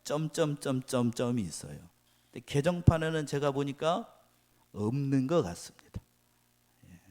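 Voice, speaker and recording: A male pastor giving a Sunday morning sermon in a church, quizzing the congregation and joking as he goes. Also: mid-range voice. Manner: animated, asks the congregation questions, jokes. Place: church sanctuary.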